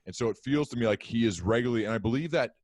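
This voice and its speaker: A man's voice: mid-range voice, rapid-fire, darkish tone, no room sound. Curious, rambling podcast host man. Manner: rambling, curious, frequent restarts. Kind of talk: interview questions. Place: home office, indoors. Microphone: studio mic, video call.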